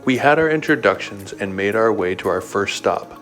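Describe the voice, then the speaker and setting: A man's voice: fairly low pitch, animated, moderate pace, fairly bright tone, soft background music. A man co-hosting a travel vlog, talking casually and joking around. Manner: playful, joking. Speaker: travel vlogger host.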